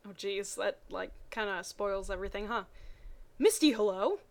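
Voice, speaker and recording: A woman's voice: mid-range voice, little pitch movement, normal speed, vocal fry, a bit bright. A woman giving a mocking dramatic reading of fan fiction, slipping in muttered, sardonic comments.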